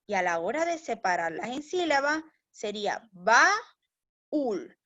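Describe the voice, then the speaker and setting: A woman's voice: fairly high pitch, sing-song, normal speed, a bit bright, highs cut off. A woman teaching a recorded language lesson for children. She explains step by step, speaks to the pupils fondly and keeps checking that they follow. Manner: patient, explains step by step, calls pupils "mis niños", checks with "¿ya?". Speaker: primary school teacher.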